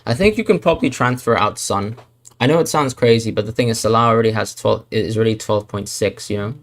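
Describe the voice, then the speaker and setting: On a live stream answering chat, a fantasy football streamer from Hong Kong talks fast in a voice on the low side. His speech is hedging and exploratory, packed with fillers and restarts.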